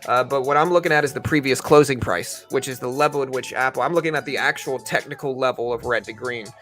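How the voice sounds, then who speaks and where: A man's voice: medium pitch, quick pace, fairly bright tone, soft background music. A man hosting a livestream, giving casual, conversational market commentary and explaining things informally to viewers. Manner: informal, conversational, explanatory, hedging both sides. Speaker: livestream host and stock trading commentator.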